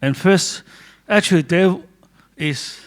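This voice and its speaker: Halting hong kong man giving a talk. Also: sits high, clear, resonant tone. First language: Cantonese. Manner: halting, with many restarts and pauses. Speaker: guest speaker, doctor and photographer. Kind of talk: informal talk presenting his photo book. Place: gallery room with a small audience.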